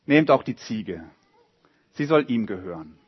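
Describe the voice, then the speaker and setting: A man's voice: mid-range voice, lively intonation, unhurried, slightly rough, no echo, muffled recording, pitched below the performer's own voice. A man doing a furious bitter old woman. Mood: resigned. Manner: shouting angrily, then quiet and resigned.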